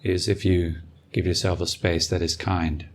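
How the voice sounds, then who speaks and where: A man leading a guided meditation as a teacher, speaking calmly and unhurriedly with long pauses. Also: low-pitched, a little hiss or hum. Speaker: meditation teacher and podcast host. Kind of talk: guided meditation, slow and soothing.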